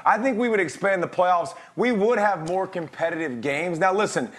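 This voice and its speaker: A man working as a sports analyst, energetic and emphatic in a sports talk debate. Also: high-pitched, normal speed, a little hiss or hum.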